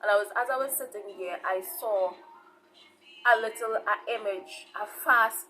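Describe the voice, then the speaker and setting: Born in Saint Vincent and raised in Trinidad, this woman hosts an online preaching channel, giving informal testimony in a Caribbean accent while repeating herself and often checking in with her listeners. Her medium-pitched voice is bright and forceful at normal speed. The recording is low quality, with slight background noise.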